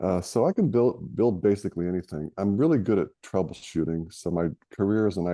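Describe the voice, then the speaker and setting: A man's voice, dry and close, with no echo. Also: quiet background. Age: 60s. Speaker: committee applicant, retired IT supervisor. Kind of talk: self-introduction in meeting. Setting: video call. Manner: halting, many fillers.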